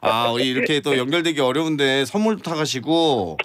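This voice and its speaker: A man's voice: medium pitch, lively intonation, fairly quick, fairly bright tone. A man hosting a radio phone-in quiz in a playful, exclamatory, teasing way. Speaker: radio quiz show host.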